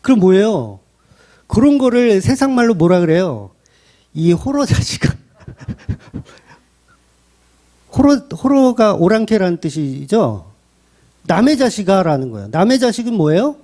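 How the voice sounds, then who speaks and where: A man's voice: high-pitched, very animated, a little slow, long pauses, mellow. A man pastor delivering a blunt, colloquial sermon full of rhetorical questions.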